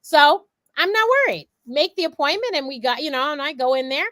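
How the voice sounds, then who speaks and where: Animated woman telling a story. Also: high-pitched, a little fast, dry recording. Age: 40s. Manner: animated storyteller, acts out her own quotes. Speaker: host. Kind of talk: casual talk show chat.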